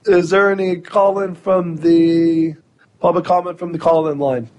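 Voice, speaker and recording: A man's voice: a little high, fairly even intonation, measured pace, darkish tone, dull audio. A man chairing a public committee meeting, loose and self-deprecating, a bit flustered as he runs the agenda.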